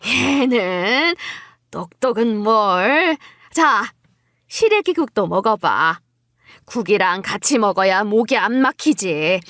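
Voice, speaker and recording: Slow, swooping scheming mother-in-law, acted by a woman. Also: medium pitch, animated, a bit bright, dry recording, studio quality. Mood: falsely sweet, coaxing. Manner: coaxing, feigning innocence, drawn-out exclamations. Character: scheming middle-aged mother-in-law, falsely sweet, coaxing. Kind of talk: dramatised audio story acting.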